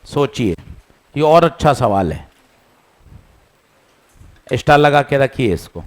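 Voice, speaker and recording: A man teaching physics in class, calmly repeating each step and scolding students who chat. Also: medium pitch, slow pace. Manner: patient, repeats steps, scolds chatter. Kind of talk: classroom lesson.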